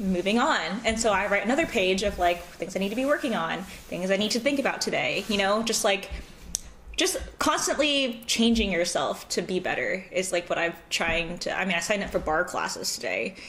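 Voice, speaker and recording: The speech comes at a fairly quick pace with lively intonation. Noticeable background noise is present. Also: woman, medium pitch for a woman. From Southern California. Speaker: guest. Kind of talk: casual chat.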